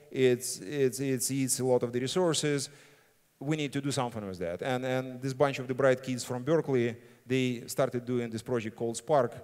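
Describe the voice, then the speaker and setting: A middle-aged man who speaks English as a second language presents at a tech conference. His voice sits at an average male pitch, and his delivery is informal and blunt, with frequent tag questions. The long reverb of a large hall surrounds him. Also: a little mellow. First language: not English. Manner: blunt, informal, often tagging sentences with "right?". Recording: reverberant hall sound system.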